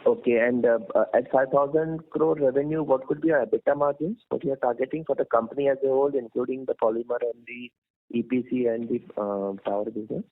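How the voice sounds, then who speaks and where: A man's voice: mid-range voice, fairly even intonation, quick pace. A man with an Indian accent asking questions as an analyst on an earnings call. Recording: narrow tinny phone line.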